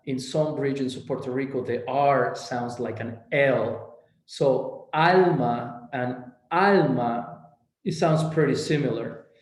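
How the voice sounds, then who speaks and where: A man's voice: mid-range voice, fairly even intonation, unhurried, a little mellow, reverberant, rough recording. A man from Mexico, a clinician giving a recorded presentation, who retells patient dialogue and often restarts and repeats his words.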